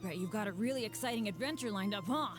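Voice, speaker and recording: A woman's voice: medium pitch, fast, soft background music, lightly acted. A woman voicing an eager, chatty, starstruck teenage boy adventurer in a video game. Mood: friendly, curious. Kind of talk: video game character dialogue.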